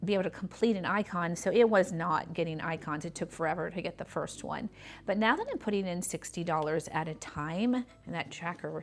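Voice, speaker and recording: Fairly quick delivery with ordinary pitch variation and hardly any pauses. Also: woman, fairly low pitch for a woman. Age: 60s. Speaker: budgeting video creator. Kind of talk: casual tutorial.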